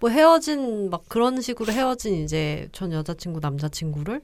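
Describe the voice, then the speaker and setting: A woman talks at a fairly slow pace. Her pitch is medium, with very wide swings. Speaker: podcast co-host. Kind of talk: book review podcast talk.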